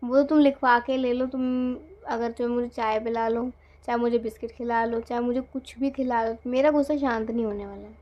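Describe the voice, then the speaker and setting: A woman's voice: a little high, steady tone, a little fast, highs cut off, natural voice. A woman playing a defiant sulking young wife. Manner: defiant, huffy.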